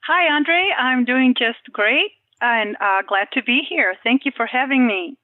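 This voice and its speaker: A woman's voice: sits high, unhurried, no echo. A woman guest who works as a dental billing specialist, talking in a friendly, chatty way with fillers over the phone. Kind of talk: casual interview podcast. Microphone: telephone. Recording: tinny phone line.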